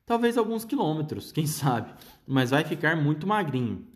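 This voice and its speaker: A man's voice: on the high side, big pitch swings, moderate pace. A man voicing an eccentric, unflappable chocolate-maker in a read-aloud story, rattling things off breezily. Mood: breezy.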